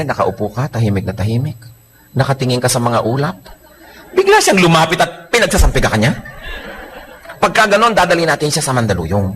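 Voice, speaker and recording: A man preaching a sermon as pastor, animated and joking as he explains. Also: mid-range voice, a little hiss or hum.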